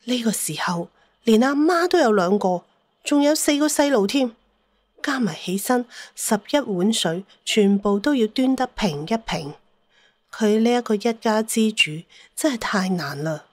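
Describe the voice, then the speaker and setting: A woman's voice: fairly high pitch, animated, measured pace, a little mellow, no room sound. A woman with a Cantonese accent narrating a dramatised story as an audiobook reader.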